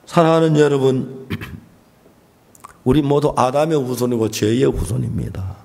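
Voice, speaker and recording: A man preaching a sermon in church as pastor, telling stories and acting out the voices in them, often clearing his throat. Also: medium pitch, a little slow, a little mellow. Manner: storytelling, acting out the voices of the people in his story.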